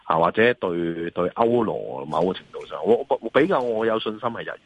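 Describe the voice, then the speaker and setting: Over a dull, lo-fi call line, a husky-voiced man with a Hong Kong accent gives market commentary. His pitch swings widely as he argues emphatically and keeps asking the listener to agree. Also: expressive, fairly quick, no room sound. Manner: emphatic, repeatedly seeks agreement with rhetorical questions. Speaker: financial analyst and columnist, guest. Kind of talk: off-the-cuff market commentary in an interview.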